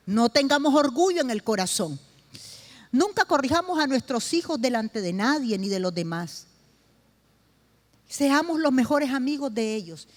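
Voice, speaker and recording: High-voiced woman preaching emphatically. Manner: emphatic, slow, repeating key phrases for stress. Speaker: pastor preaching to a congregation. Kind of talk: sermon with personal testimony.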